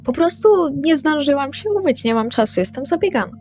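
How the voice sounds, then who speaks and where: A woman's voice: sits high, lively intonation, brisk, a little mellow, faint music behind, voice pushed up. A woman playing a young vampire daughter, affectionate but evasive, in a tabletop role-playing game. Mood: placating, evasive. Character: Wendy, vampire daughter placating her parents.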